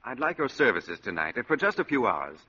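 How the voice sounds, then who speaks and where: A man's voice: mid-range voice, sing-song, a little fast, bright, forceful tone, husky, heavily acted. An actor playing a refined, well-dressed man who talks in a prim, hesitant, stammering way. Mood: nervous. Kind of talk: 1940s radio acting. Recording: dull old radio recording with faint hiss.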